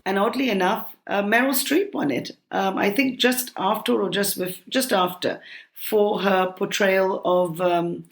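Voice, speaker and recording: A woman's voice: mid-range voice, fairly even intonation, measured pace. A British-raised woman in her sixties, a cookbook author talking from home over a call, hesitant with many ums and restarts. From United Kingdom. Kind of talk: relaxed conversational interview. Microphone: remote call from home.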